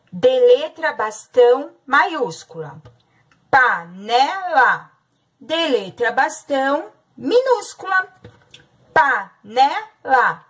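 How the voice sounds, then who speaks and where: Slow, patient Brazilian woman teacher. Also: high-pitched, fairly bright tone. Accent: Brazilian Portuguese. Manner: slow, patient, step-by-step instructions, stretching words. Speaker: primary school teacher. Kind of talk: recorded remote class for young children.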